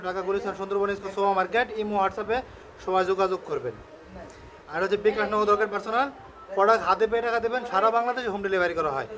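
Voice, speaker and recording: A man with a Bangladeshi accent giving a casual product demonstration and sales pitch, explaining step by step and often repeating himself. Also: fairly bright tone, a little hiss or hum. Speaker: shop seller presenting a product on his channel.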